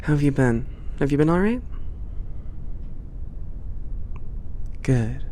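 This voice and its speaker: A performer with a mid-pitched voice playing a calm, supportive space port boss in a one-sided roleplay, reassuring and softly professional. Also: fairly quick, slight background noise, natural voice. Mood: attentive. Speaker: ASMR roleplay voice actor.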